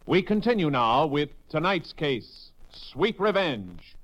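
A man's voice: fairly high pitch, big pitch swings, slow pace, poor audio. A man announcing a 1950s radio drama in a formal, theatrical style.

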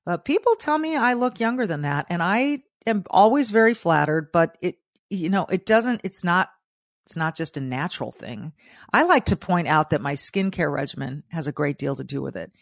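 Emphatic woman in her fifties, low voice. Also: expressive, normal speed, no echo, clean studio sound. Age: 50s. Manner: emphatic, repeats phrases for stress. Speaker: podcast host. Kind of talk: opinion monologue.

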